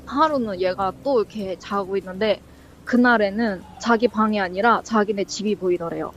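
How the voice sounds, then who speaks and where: A woman's voice: mid-range voice, normal speed, slight background noise. A woman casually telling a ghost story as a guest, rambling and full of fillers, acting out the lines she quotes. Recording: dull lo-fi sound.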